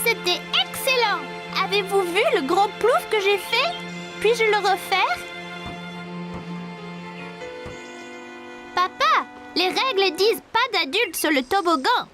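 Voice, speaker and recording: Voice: very high voice, expressive, a little slow, music in the background. A performer voicing a small, eager boy in a French-dubbed preschool cartoon, with simple childlike delivery. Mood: proud, delighted. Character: small boy, eager, timid then proud.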